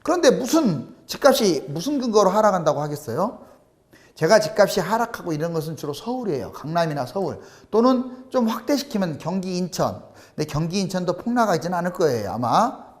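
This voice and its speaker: A man's voice: high-pitched, very animated, fairly quick. A man giving solo commentary on housing prices over charts, emphatic and asking rhetorical questions. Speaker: real estate commentator.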